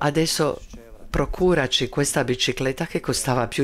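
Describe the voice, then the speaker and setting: A man speaks at a moderate pace with a Croatian accent. There is light background noise. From Croatia, Zagreb. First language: Croatian (speaking Italian). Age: 40s. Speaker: blind man giving a faith testimony; speaker. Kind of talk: testimony. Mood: warm, grateful. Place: stage. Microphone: podium.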